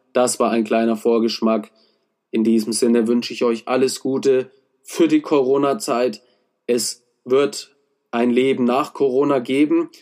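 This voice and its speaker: A man talks at a fairly slow pace. His medium-pitched voice keeps a fairly even intonation. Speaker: podcast host, former drug addict. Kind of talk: solo monologue podcast. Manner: casual, slangy.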